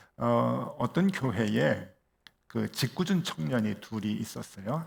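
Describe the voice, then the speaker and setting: A man's fairly low voice with vocal fry. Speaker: guest preacher. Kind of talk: sermon. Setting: church evening service. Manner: calm, sleep-inducing delivery.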